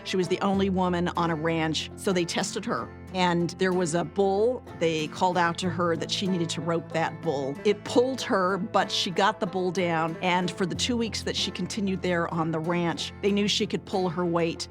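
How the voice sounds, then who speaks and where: Lowish-voiced American woman narrating over guitar. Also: fairly even intonation, moderate pace, hardly any pauses. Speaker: archivist and narrator. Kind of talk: documentary storytelling.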